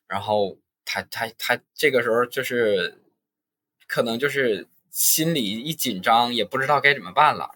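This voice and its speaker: A young man casually telling childhood stories on a podcast, halting and restarting as he goes. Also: fairly low pitch, breathy edge. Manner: halting, many restarts, lively retelling. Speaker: podcast host. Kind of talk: casual storytelling.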